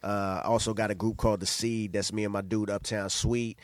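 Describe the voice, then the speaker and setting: A man talks as a guest on a casual podcast, easygoing and loose with his language. His voice sits low. The sound is dry, with no room around it. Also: flat delivery, fairly quick, no echo. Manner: laid-back, swears freely. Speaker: guest rapper.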